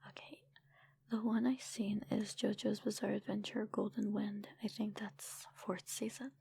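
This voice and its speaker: A woman chatting casually in a soft, breathy ASMR whisper, informal and rambling, close to the microphone. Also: mid-range voice, little pitch movement, measured pace, dry recording. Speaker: ASMR creator and streamer answering viewer comments.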